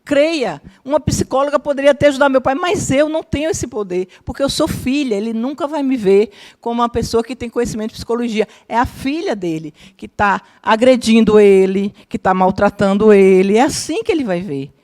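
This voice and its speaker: A woman's voice: a little high, a little fast, hardly any pauses. A woman around fifty, a psychologist teaching a spiritist course, tells personal family stories to a live audience, keeps asking whether they follow, and acts out what her relatives said. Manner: lively, keeps checking in with listeners, acts out quoted family members. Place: lecture room with a live audience.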